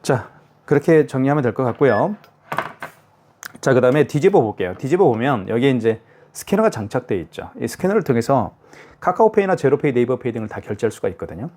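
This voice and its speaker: A male product demonstrator gives a casual tutorial, chatting through each step aloud, checking in with the viewer, and often saying "자" and "그죠?". His voice is mid-range, sing-song, fast, and warm. The recording has a faint hiss and device clicks.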